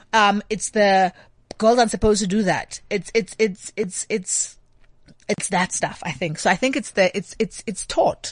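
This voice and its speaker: A somewhat breathy woman at medium pitch and moderate pace, with ordinary pitch variation. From South Africa, Eastern Cape. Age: 40s. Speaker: professor and author. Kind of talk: interview. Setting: studio.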